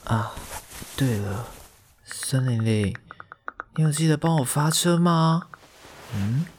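A man's voice: medium pitch, animated, slow pace, darkish tone, a little hiss or hum. An actor with a Taiwanese accent playing a sweet, scatterbrained, easily flustered young gay man in a radio drama. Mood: grumbling. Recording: music behind the voice.

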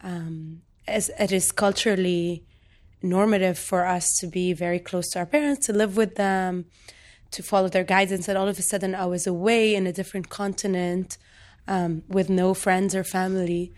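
Woman from Lebanon, 30s, poet guest; soft-spoken, thoughtful, pauses often. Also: on the low side, steady tone. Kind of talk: reflective interview talk.

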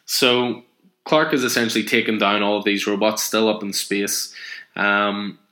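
A man's voice: lowish voice, fairly even intonation, measured pace, sharp tone. A man casually and enthusiastically retelling a comic book story, rambling with fillers. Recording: echoey room.

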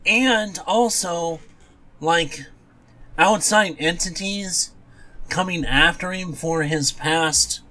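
Guy podcast co-host, slightly high voice, casual film talk, keeps restarting his thoughts. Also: slow, bright, forceful tone, poor audio. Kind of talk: casual movie chat.

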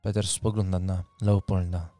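A man narrating a tabletop fantasy game as game master, with deliberate, dramatic phrasing and pauses. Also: low-pitched, level tone, warm tone. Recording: music under the voice.

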